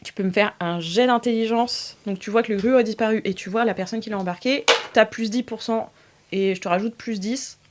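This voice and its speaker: A woman's voice: fairly high pitch, brisk, a little mellow, a little hiss or hum. Hesitant woman running a tabletop game. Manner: hesitant, many fillers, laughs often. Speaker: game master. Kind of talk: narrating an improvised tabletop game.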